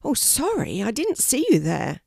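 A woman doing gentle, kind Archie. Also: fairly high pitch, huge pitch swings, a little slow, creaky, no echo, studio quality, voice pushed up, full character voice. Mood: helpful. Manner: gentle, encouraging. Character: kind, calm, reassuring young male animal.

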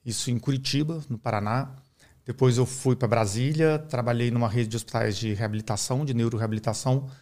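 A middle-aged Brazilian man, a neurologist, explaining his field in a measured, teaching way on a podcast, often tagging his sentences with a questioning aside. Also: mid-range voice, dark tone. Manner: measured, didactic, uses many "né?" tags. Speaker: neurologist guest.

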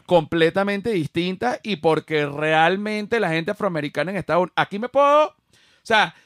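A man's voice: high-pitched, expressive, normal speed, fairly bright tone, dry recording, clean studio sound. A Venezuelan man with a Venezuelan Spanish accent, hosting a podcast in casual chat, blunt, slangy and joking. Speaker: podcast host.

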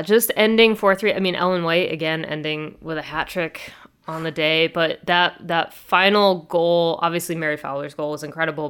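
Low smooth-voiced woman talking soccer. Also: a bit bright. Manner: chatty, thinking aloud with fillers. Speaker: soccer podcast host. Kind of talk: casual sports chat.

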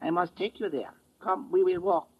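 High-voiced timid little guide. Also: male voice, fairly even intonation, moderate pace, breathy edge. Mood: meek, furtive. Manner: stilted broken English, pleading. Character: skinny little meek Burmese guide, timid and deferential. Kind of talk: 1950s radio drama acting. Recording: muffled old radio recording, noisy, clicks.

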